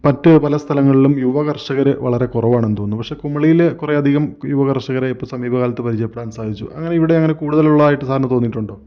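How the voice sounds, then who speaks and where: Male farm-radio host, mid-pitched, formal questions and brief murmured assents, dull lo-fi radio sound. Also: fast, few pauses.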